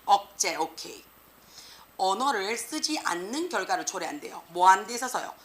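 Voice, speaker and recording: A woman English teacher giving an exam prep lecture, lively and slangy, peppering students with rhetorical questions. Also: medium pitch, normal speed, a little hiss or hum. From South Korea.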